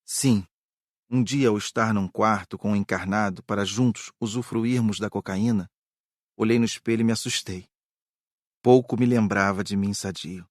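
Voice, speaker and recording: A man playing a reformed drug addict spirit, confessing his downfall in a measured way for an audiobook. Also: on the low side, fairly even intonation, no room sound, clean studio sound, natural voice. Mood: regretful. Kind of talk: dramatized audiobook dialogue.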